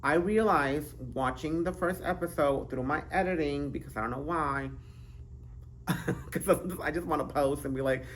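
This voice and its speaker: A man's voice: a little high, normal speed, slight background noise, rough recording. A man hosting his own podcast alone, talking casually and rambling, interrupting himself with giggles and breaking into playful sing-song bits. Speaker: podcast host. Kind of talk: casual solo vlog monologue. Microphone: handheld microphone.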